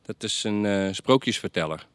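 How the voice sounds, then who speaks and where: A man's voice: lowish voice, expressive, moderate pace, clean tone, no room sound, close to an everyday voice. A man voicing Death in a storybook tale, grumbling and questioning, raised above his own voice. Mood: sheepish. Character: Death, grumbling, curious male figure.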